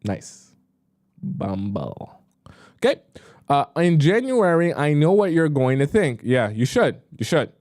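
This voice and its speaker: A man's voice: a little high, very animated, slow pace, a little mellow, no room sound, studio quality. A man hosting a live dating-advice stream, reading out viewer questions and chatting casually with asides. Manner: chatty, reads messages aloud with asides.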